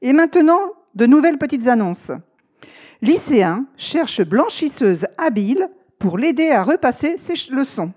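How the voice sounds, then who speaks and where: A woman's voice: high voice, darkish tone, husky. A woman radio host announcing a song and reading out humorous classified ads in a playful announcer manner.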